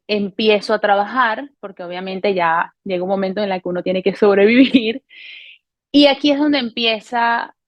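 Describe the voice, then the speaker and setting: A woman in her thirties from Venezuela gives a personal faith testimony to camera, in an earnest, unhurried way with frequent hesitations and self-corrections. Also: mid-range voice, no room sound, highs cut off. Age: 30s. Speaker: testimony speaker. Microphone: camera recording.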